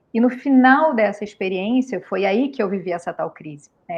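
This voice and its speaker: Spoken at a moderate pace with a Rio de Janeiro accent, the voice has lively intonation. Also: woman. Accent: Rio de Janeiro (carioca). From Brazil, Rio de Janeiro. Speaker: psychotherapist and tarot reader. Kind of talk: interview, telling life story. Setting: video call.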